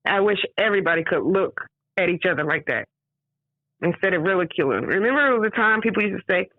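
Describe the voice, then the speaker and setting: A woman author with a hoarse voice, talking casually in an interview and getting animated when she stresses a point. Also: quick pace, no echo. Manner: animated, rising pitch when emphatic. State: hoarse from screaming. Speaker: author guest. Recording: tinny phone line.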